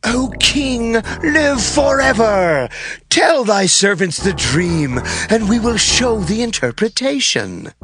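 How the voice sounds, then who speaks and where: Pleading ancient court sage, animated. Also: male voice, high-pitched, takes it slowly, music in the background, heavily acted. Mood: deferential. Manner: formal, declamatory pleading. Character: deferential, pleading male court sage of Babylon. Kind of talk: dramatized scripture acting.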